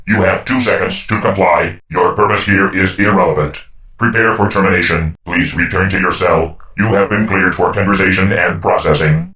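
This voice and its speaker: A man's voice: deep voice, bright, forceful tone, recorded from a distance. A man voicing a cold, officious robotic security enforcer in a video game, issuing impersonal threats, sounding away from the mic. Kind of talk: scripted video game announcements.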